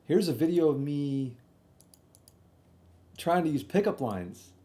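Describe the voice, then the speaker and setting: A man's voice: on the high side, lively intonation, takes it slowly, warm tone. A young man telling a casual, slangy stream story, often doubling back and repeating himself as he comments on old videos.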